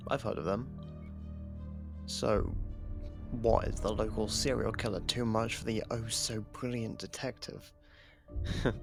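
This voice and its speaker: A man playing an imprisoned serial killer in an ASMR audio drama, smug, taunting and flirtatious, with a husky, gravelly voice and a sarcastic drawl. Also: lowish voice. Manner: drawling, sarcastic, teasing delivery.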